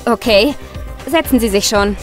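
A woman playing a cool, high-voiced young doctor. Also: moderate pace, music in the background, lightly acted. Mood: cool, guarded. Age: young adult. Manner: cool, teasing. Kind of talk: German sci-fi audio drama dialogue.

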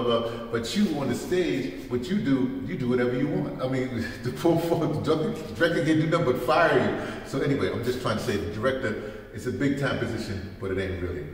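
A middle-aged man talks to a workshop in a very echoey, bare classroom, picked up from a distance. His pitch is average and his explanations are folksy and rambling, with faint noise in the recording. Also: darkish tone. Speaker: workshop leader, producer. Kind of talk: informal teaching talk. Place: large bare classroom, indoors. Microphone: camera a few metres away.

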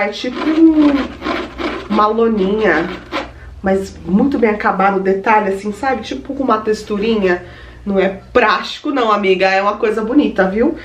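A young Brazilian woman with a Brazilian Portuguese accent, chatting effusively to her viewers in a casual unboxing vlog at home. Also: medium pitch. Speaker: vlogger. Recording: roomy echo, distant mic, faint ambient noise.

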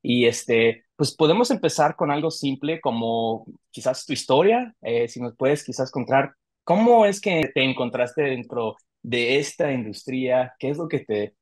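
A man's voice: medium pitch, animated, measured pace, no echo. A man, hosting a casual interview over a video call and talking with many hesitations and restarts. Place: home office on a video call.

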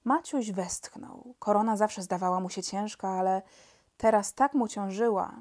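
A woman narrating a children's audiobook with expressive storytelling. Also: mid-range voice, measured pace.

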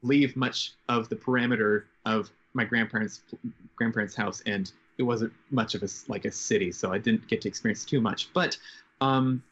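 A man in his twenties from Canada and Japan, talking reflectively and haltingly as a guest in a casual interview. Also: lowish voice, steady tone, a bit bright, husky. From grew up in Japan, Canadian. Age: 20s. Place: bedroom at home. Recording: slightly dull, band-limited video call.

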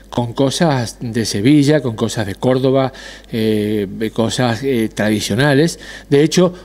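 A middle-aged man from Argentina, a restaurant owner and dentist, answering interview questions in a measured way with frequent hesitations. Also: mid-range voice, a little mellow. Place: decorated restaurant patio. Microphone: handheld interviewer mic.

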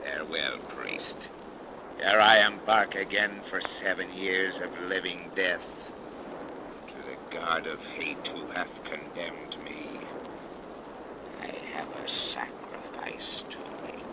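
An actor in a 1930s radio drama playing a menacing, cursed sea captain who speaks in archaic, theatrical, halting phrases. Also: male voice, low voice. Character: brooding, menacing, God-hating cursed old sea captain. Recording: noisy 1930s radio broadcast.

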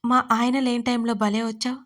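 A woman's voice: fairly high pitch, fairly even intonation, normal speed, faint music behind, close to an everyday voice. A woman voicing a married young woman who speaks bluntly, coldly and with sarcasm. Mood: scornful.

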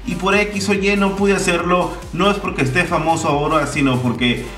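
Higher-voiced young Mexican man, roomy sound. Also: steady tone, normal speed, a bit bright. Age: 20s. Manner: informal, slangy, swearing. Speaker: YouTuber. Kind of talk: casual chat to camera. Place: room at home with tiled floor. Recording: roomy echo, distant mic, faint music.

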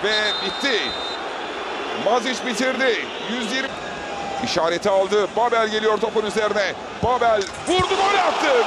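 A man giving excitable, partisan live football commentary, given to screaming as the play heats up. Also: very high voice. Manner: excitable, screaming at goals and chances; partisan, cheering on his side. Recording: loud stadium noise behind the voice. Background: loud match noise.

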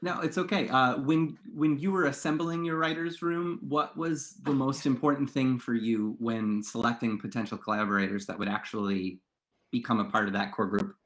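A man's voice: mid-range voice, moderate pace, fairly bright tone. A man moderating a video-call panel in a conversational interviewing style. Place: indoor room at home, video call.

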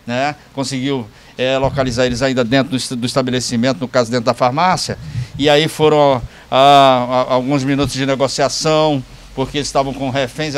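A man working as a news reporter, speaking informally and often seeking agreement. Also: mid-range voice. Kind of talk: live crime news report and interview. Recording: clear street ambience noise.

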